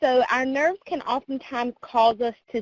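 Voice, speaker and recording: With a strong Southern US accent, a woman speaks at a high pitch and a moderate pace, her pitch varying in an ordinary way, in a dry, close recording with no echo. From US South, North Carolina. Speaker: youth presenter. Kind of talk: webinar presentation.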